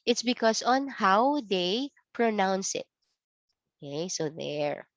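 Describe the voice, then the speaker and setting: A woman's voice: mid-range voice, very animated, takes it slowly, no echo, dull audio. A woman with a Filipino accent giving an online training lecture, often checking in with "okay" and "right" as she reads definitions. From Philippines.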